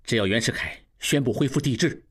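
A man's voice: medium pitch, a little fast, husky, close to an everyday voice. A man voicing a solemn, righteous banker. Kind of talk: audiobook character voicing.

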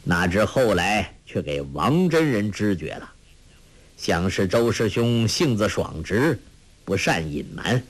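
A man voicing a gentle, grave old monk who speaks in a measured, soft way, in a storybook reading. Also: on the low side, very animated, heavily acted. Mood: calm.

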